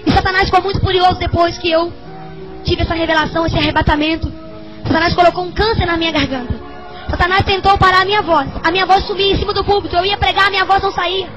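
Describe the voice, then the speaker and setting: A woman with a hoarse voice and a Brazilian accent, giving an impassioned, repetitive church testimony as a fervent Pentecostal preacher. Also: extremely high pitch, steady tone, fast, dull audio, over music. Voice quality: hoarse, husky.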